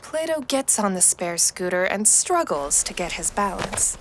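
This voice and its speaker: A woman narrates a fiction podcast in a medium-pitched voice, reading scripted scene-setting. Noticeable ambient noise sits behind her. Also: sing-song, measured pace. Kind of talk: scripted audio drama narration. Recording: clear background noise and ambience.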